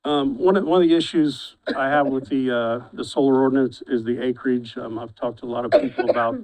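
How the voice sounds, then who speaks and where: A man's voice: medium pitch, fairly even intonation, darkish tone, poor audio. A man chairing a county commissioners' meeting, reading agenda items and restarting his sentences often. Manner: halting, repeats words when restarting. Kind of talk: formal meeting procedure.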